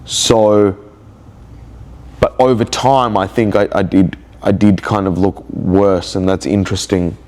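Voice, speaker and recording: A man recording a personal video diary, speaking in a slow, halting, reflective way with many restarts. He has a cold, and his nose sounds blocked. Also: on the low side, steady tone, a little mellow. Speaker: vlogger.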